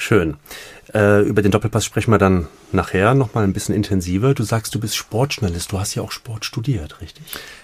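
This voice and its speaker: This man's voice is somewhat breathy and fairly low in pitch. He moves at a fairly quick pace with ordinary pitch variation. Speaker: podcast host. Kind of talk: casual interview. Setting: studio.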